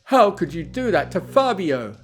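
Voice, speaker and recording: Teasing chaos spirit, theatrical, lively pitch swings; male reader voicing. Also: normal speed, soft background music. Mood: mock offended.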